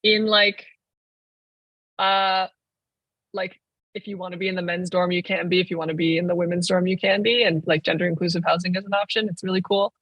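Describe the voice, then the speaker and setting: A man's voice: high voice, level tone, a little fast, no echo, dull audio. Chatty young trans guy, dry sound. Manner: rambling, heavy use of "like". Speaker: podcast guest, artist. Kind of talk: casual conversation.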